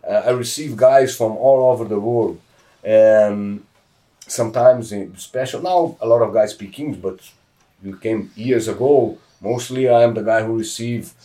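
A man's voice: lowish voice, normal speed, mellow, distant mic, poor audio. A middle-aged Brazilian man, a jiu-jitsu black belt, telling stories in emphatic, broken English with a heavy Brazilian accent. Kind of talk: casual interview.

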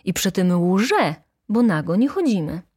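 A woman voicing a hot-tempered, indignant poor young male student who shouts in outrage. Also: mid-range voice, big pitch swings, unhurried, breathy edge.

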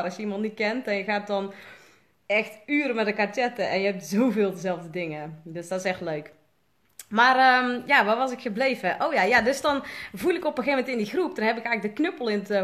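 Chatty Dutch woman rambling on a livestream. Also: mid-range voice. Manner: chatty, rambling, many fillers. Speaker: coach. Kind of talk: casual live video chat.

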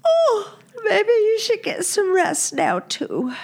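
A woman's voice: very high voice, wildly swooping pitch, slow pace, creaky, full character voice. A woman playing a genteel, sympathetic doctor in a children's audio story, polite, proper and soothing. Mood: gentle.

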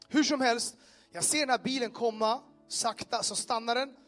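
A man telling his personal testimony to a live audience, animated, asking listeners questions and making sound effects. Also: extremely high pitch, faint music behind. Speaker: speaker giving a personal testimony. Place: in front of an audience in a room.

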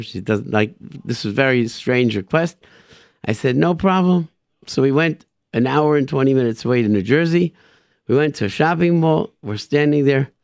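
A man's voice: medium pitch, vocal fry, no room sound, clean studio sound. A man hosting a radio show, telling personal religious stories informally and emphatically, repeating phrases and sprinkling in Hebrew and Yiddish expressions.

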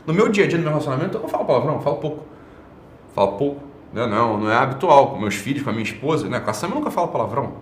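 A man talks fast and bluntly in a fairly high voice, piling on slang and swear words and tossing in rhetorical questions. He hosts his own online show and treats it as a casual opinion rant. The room around him gives his voice a noticeable echo, with faint ambient noise underneath. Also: fairly bright tone. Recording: roomy echo.

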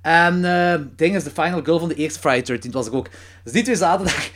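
A man's voice: a little high, fairly quick, a little hiss or hum. A man hosting a casual chat about horror films, telling stories with enthusiasm. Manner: animated, enthusiastic storyteller. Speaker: podcast host.

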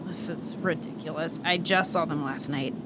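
Audio drama: guarded, terse older sister female actor, skeptical, lower register, over noticeable vehicle ambience. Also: moderate pace, close to an everyday voice. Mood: disbelieving. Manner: terse, blunt. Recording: noisy ambience, vehicle rumble behind.

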